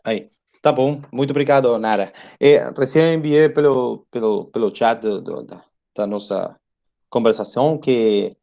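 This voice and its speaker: Male lecturer, Argentine Spanish accent, mellow mid-pitched voice, searching haltingly through a Portuguese-Spanish blend. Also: vocal fry. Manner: halting, repeats words searching for phrasing; often ends phrases with a tag question. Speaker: professor, guest lecturer. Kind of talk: informal online lecture and discussion.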